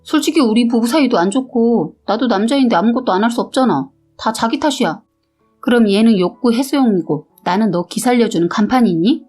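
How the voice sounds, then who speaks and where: A woman's voice: fairly high pitch, a little fast, a little mellow, faint music behind, natural voice. A woman voicing a cheating husband who pleads and makes excuses, in a read-aloud story. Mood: self-pitying. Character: cheating husband, man, sheepish and self-pitying.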